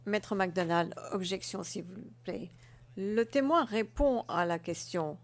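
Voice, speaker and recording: A woman's voice: medium pitch, takes it slowly. A woman speaking formally in a courtroom, raising an objection about a witness.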